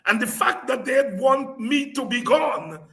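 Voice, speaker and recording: A middle-aged man with an unusually high, bright voice holds forth in a fiery political speech. He draws out his phrases slowly, hammering each point with repetition and sudden shouts. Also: lively intonation, vocal fry. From Guyana. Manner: fiery, declamatory, repeats phrases for emphasis, breaks into shouts. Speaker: podcast host and political speaker. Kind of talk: impassioned political address.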